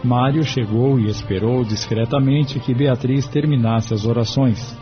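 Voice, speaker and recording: Guy narrating a radio story, solemn and steady, music behind, muffled sound. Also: medium pitch, a little slow. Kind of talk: scripted audiobook narration. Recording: dull lo-fi radio recording.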